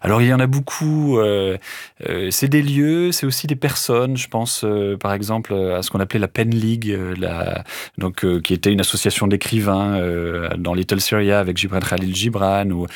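A man's voice: lowish voice, moderate pace, dry recording, clean studio sound. A man being interviewed on radio as an author, answering thoughtfully and hesitantly, with many filler sounds. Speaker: author and guest.

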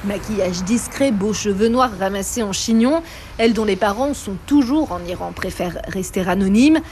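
A woman's voice: medium pitch, moderate pace, darkish tone, slight background noise. Woman narrating a news report.

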